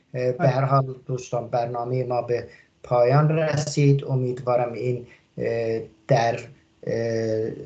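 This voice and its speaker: With an Azerbaijani accent, a man of medium pitch speaks at a very slow pace in a monotone, flat intonation. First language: Azerbaijani (speaking Persian). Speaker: talk show host. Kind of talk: show sign-off. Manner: hesitant, many fillers.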